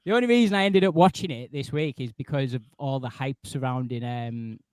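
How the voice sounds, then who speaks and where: A man's voice: medium pitch, brisk, darkish tone, smooth, dry recording. A man hosting a livestream in a casual, chatty style. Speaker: livestream host. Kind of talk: casual chat.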